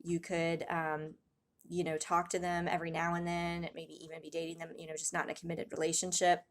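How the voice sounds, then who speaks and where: A woman with a low voice reads tarot cards for her viewers in a soft, hesitant way. She pauses often and restarts her sentences. Her throat sounds slightly raspy. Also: monotone. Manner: soft-spoken, hesitant, many ums and restarts, gasps in awe. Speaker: tarot reader. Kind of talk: casual spiritual tarot reading to viewers.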